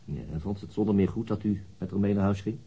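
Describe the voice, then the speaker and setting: An actor playing a formal, persistent police investigator questioning a witness in a radio drama, with probing questions and hesitant pauses. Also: male voice, lowish voice, dark tone, slightly rough, highs cut off.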